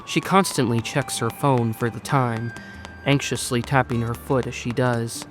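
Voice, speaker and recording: A man narrates a scripted audio drama in a mid-range voice. He tells the story in the third person as an audiobook narrator, with music playing clearly behind him. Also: mid-range voice, steady tone, unhurried. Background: music under the voice.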